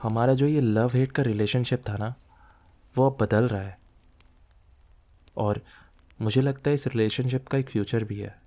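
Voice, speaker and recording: A man's voice: medium pitch, fairly even intonation, unhurried, pauses often, dark tone, close to an everyday voice. A man playing a possessive, dominant mafia boss boyfriend in an intimate ASMR roleplay, teasing and commanding, mixing in English phrases. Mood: earnest, protective.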